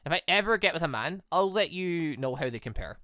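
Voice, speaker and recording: A man's voice: on the high side, lively intonation, brisk, sharp tone, dry recording, clean studio sound. A man voicing a coy, wry young woman in a visual novel, hesitant and dryly teasing.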